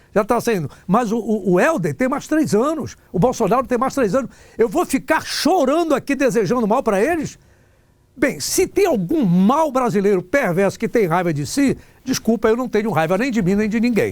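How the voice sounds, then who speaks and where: At a moderate pace, a man with an extremely high voice makes very wide pitch swings. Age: 60s. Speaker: TV show host, commentator. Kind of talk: opinion commentary. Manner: animated.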